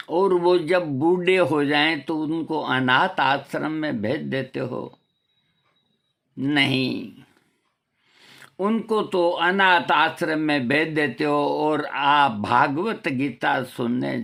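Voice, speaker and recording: Slow, gravelly older man lecturing. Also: fairly high pitch, fairly bright tone. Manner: preachy, scolding, rhetorical questions. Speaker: homeopathy vlogger. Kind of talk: moral talk to camera.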